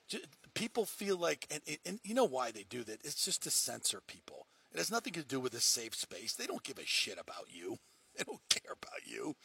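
A man's voice: mid-range voice, vocal fry, bright, forceful tone, slightly rough. A man hosting a sports talk show, ranting heatedly and emphatically in casual talk, mocking the people he quotes.

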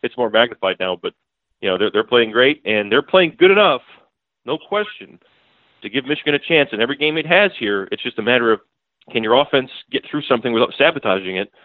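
A man's voice: mid-range voice, animated, fast, dry recording. A newspaper beat writer, a man, talks through a game as a podcast guest, in a loose, chatty way, often starting over mid-sentence and chuckling as he goes. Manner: talkative, frequent restarts and fillers, chuckling asides. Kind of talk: casual sports analysis. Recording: tinny phone line, dry.

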